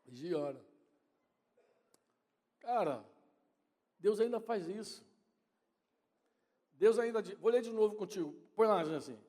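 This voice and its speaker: This pastor's voice sits high and sounds mellow, with lively intonation, a slightly slow pace and long pauses. He speaks with a Brazilian Portuguese accent, preaching conversationally in a church hall with a big-room sound and frequently turning to his congregation and his wife.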